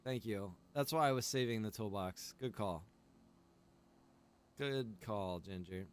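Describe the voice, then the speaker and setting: A man streaming a survival roleplay game chats casually at an unhurried pace, his pitch fairly low. He jokes in a relaxed way and laughs often, and slight background noise is present.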